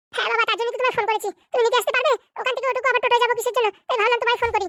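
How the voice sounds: A woman puts on a cartoonish character voice, extremely high and flat in intonation. She talks very fast, and the sound is dry and close with no echo. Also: very even loudness.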